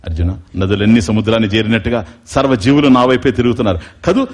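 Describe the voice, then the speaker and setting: A man giving a spiritual discourse, mixing explanation with slow, musical chanting of verses. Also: lowish voice. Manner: animated, chants Sanskrit verses slowly and musically. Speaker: spiritual lecturer. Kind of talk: devotional discourse.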